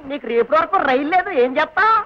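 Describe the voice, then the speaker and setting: An actor playing a bossy, teasing village police constable in a comic film scene. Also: male voice, very high-pitched, lively intonation, racing. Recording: lo-fi old film soundtrack, crowd behind.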